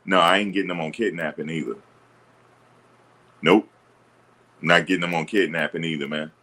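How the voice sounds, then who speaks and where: A man with a very low, deep voice talks straight into his streaming mic. He answers his chat bluntly and sounds sure of himself, assertive and ready to push back. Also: fairly even intonation, normal speed, pushed and bright. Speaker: livestream host. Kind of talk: livestream commentary answering chat. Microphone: streaming setup.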